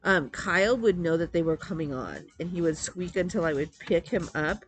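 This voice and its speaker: Recorded on a desk webcam indoors in her home craft room, a Metro Detroit, Michigan crafting vlogger in her forties talks casually to camera. Her voice is lowish, congested and nasal, at a normal pace, full of rambling ums and restarts, with a little hiss or hum.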